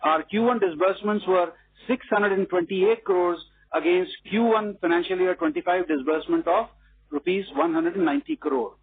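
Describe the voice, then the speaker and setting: High-pitched, husky Indian man, formal presenter. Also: lively intonation, normal speed. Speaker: bank executive presenting quarterly results. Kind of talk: formal scripted financial presentation. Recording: muffled lo-fi conference call audio.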